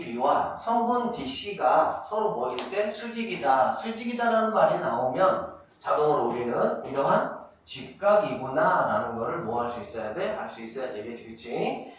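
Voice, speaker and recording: A middle-aged man giving a math lesson to middle school students, quizzing them and answering his own questions, drawing out key terms slowly. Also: on the high side, animated. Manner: asks students questions and answers them himself, counts steps aloud. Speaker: math academy director teaching middle school. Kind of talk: classroom math lecture. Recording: echoey room, distant mic, faint noise.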